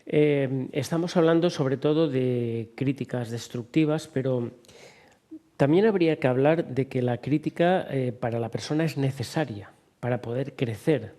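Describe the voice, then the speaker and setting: A man hosting a television interview, asking long, framed questions with hesitant "eh" pauses. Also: medium pitch, mellow. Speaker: TV interviewer host.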